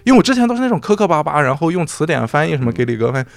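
Recorded dry, this podcast guest from Xinjiang, China speaks in a slightly high, gravelly voice at a racing pace. He tells a story in casual conversation, animated as he performs the lines he quotes.

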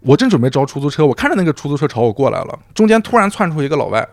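Lively gravelly-voiced man telling a story. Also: a little high, rapid-fire, no echo, faint music behind. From Xinjiang, China. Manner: animated, acts out quoted dialogue. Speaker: podcast guest. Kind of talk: casual storytelling chat.

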